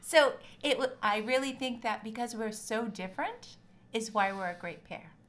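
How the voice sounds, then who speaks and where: A woman has a normal speaking voice with fairly high pitch and ordinary pitch variation. She keeps a moderate pace, with big swings in loudness. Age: 50s. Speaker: host's wife. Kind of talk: casual chat.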